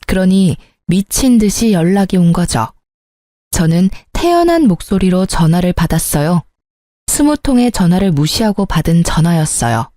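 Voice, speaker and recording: A woman narrating a first-person drama story in a calm, steady, scripted way. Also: lowish voice, normal speed, dry recording, clean studio sound.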